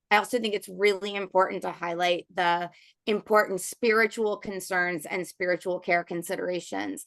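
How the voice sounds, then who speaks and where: A woman speaks at medium pitch and a moderate pace with fairly even intonation. The sound is dry and close, with no echo. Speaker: presenter. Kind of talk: lecture. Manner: halting with frequent fillers.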